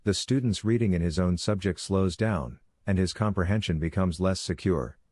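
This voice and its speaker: A man reading a practice passage aloud in an even, measured way as a model for an exam. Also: sits low, dry recording, clean studio sound.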